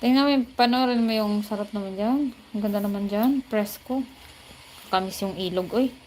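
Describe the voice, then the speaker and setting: A woman's voice: mid-range voice, a little fast, darkish tone, slight background noise, rough recording. A woman from the Philippines with a Filipino accent, chatting casually on her livestream and reading viewers' comments aloud. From Bicol, Philippines. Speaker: livestream vlogger.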